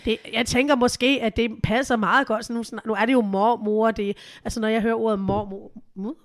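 A woman's voice: a little high, level tone, dry recording, studio quality. Giggly woman podcast host with a cold. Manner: giggly, hesitant with many fillers. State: has a cold, voice changed. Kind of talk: casual chat. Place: living room at home.

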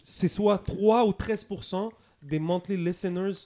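Quebec French host, fairly high voice, steady questioner. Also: male voice, unhurried. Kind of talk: casual chat.

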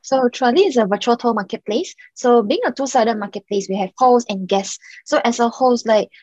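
A woman's voice: a little high, moderate pace, a little mellow, no room sound, muffled recording. A young Singaporean woman, a startup founder, chatting casually as a podcast guest and leaning on "like" and "um". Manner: chatty, many "like" and "um" fillers.

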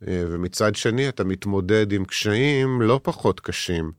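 A man in his fifties talks in an interview, slowly and earnestly, stopping often to restart his sentences. His voice sits very low and sounds smooth and clear. The sound is dry and close. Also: no echo. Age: 50s. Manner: halting, many hesitations and restarts; earnest, heavy. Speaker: guest, author and army veteran. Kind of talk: personal interview talk.

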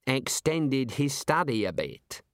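A man voicing a gloomy, fretful older male wizard who speaks in a deadpan way. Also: medium pitch, takes it slowly, no echo, studio quality.

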